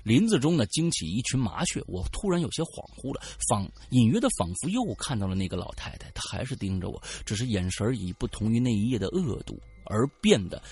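A man hosting and narrating a spooky first-person story with dramatic, animated delivery and chatty asides. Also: medium pitch, fast, few pauses, slightly rough. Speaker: storyteller host.

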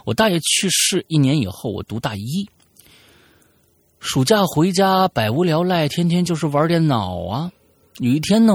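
A man's voice: medium pitch, creaky, husky, no room sound. A man hosting a storytelling podcast, narrating a listener's tale in a chatty way with frequent stammered repeats.

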